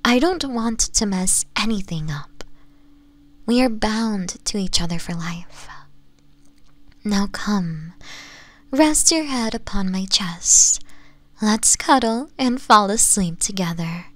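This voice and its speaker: Woman doing a clingy yandere fox lady, asmr roleplay, breathy whispery and tender, really slow, super close dry mic. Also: mid-range voice, expressive, no echo. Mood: affectionate, soothing. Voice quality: soft, breathy, often whispered. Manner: slow, tender, coaxing endearments. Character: possessive, doting nine-tailed fox woman, soft yandere. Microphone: close, dry microphone.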